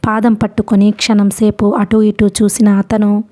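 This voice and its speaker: Mellow-voiced woman reading a novel aloud. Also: medium pitch, level tone, normal speed. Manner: reads a novel aloud, voicing characters in her own voice. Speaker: audiobook narrator. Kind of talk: storybook narration.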